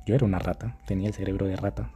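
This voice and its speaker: A man's voice: low-pitched, steady tone, rapid-fire, warm tone, a little hiss or hum. A man giving dating advice in a dramatic, profane monologue, acting out little scenes. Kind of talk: casual monologue to camera.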